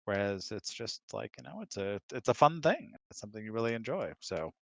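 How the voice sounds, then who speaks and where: A man's voice: fairly low pitch, very animated, fairly quick, gravelly, no room sound. A man answering questions in a casual, informal, conversational way. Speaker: co-host, husband of the host.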